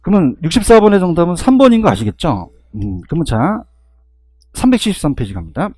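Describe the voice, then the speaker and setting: A man with a husky voice giving an exam-review lecture, constantly firing rhetorical questions and checking in with his students. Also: fairly high pitch, very animated, fast talker, mellow, no echo.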